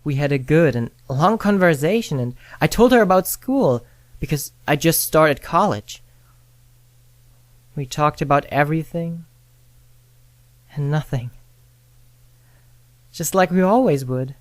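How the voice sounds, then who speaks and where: A narrator reading a scripted first-person story in short phrases with frequent pauses. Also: mid-range voice, expressive, no echo. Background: music with guitar and piano.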